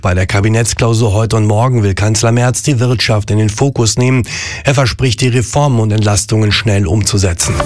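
A man's voice: medium pitch, a little mellow, no echo, studio quality. A man reading a scripted national news bulletin as a radio newsreader.

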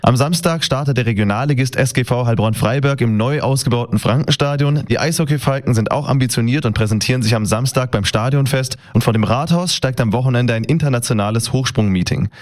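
A man delivering a regional radio news report in a brisk, clear way. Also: medium pitch.

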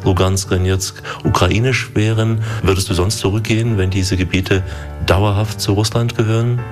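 A man hosting a radio travel show, calmly asking questions and reading narrated links. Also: fairly low pitch, music in the background. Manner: calm, measured questioning with scripted link narration. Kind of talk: radio reportage and interviewing.

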